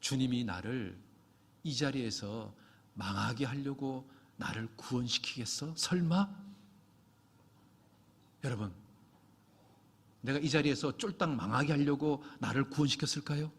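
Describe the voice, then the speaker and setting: A man's voice: mid-range voice, measured pace, long pauses, slightly rough. Impassioned male preacher in a reverberant church. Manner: preaching with surges to loud, impassioned exhortation. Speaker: pastor. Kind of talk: sermon. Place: church sanctuary.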